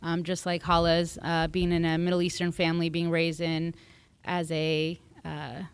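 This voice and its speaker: Smooth-voiced woman therapist, hesitant. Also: fairly low pitch, monotone, normal speed, no echo. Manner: thoughtful, hesitant with many fillers. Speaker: marriage and family therapist. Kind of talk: casual panel chat.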